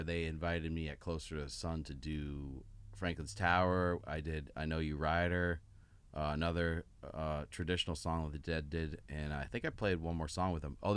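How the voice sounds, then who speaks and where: A man's voice: a bass voice, steady tone, normal speed, a bit bright, clear, resonant tone. A man chatting casually as a guest musician on a podcast, telling stories in an easygoing, rambling way.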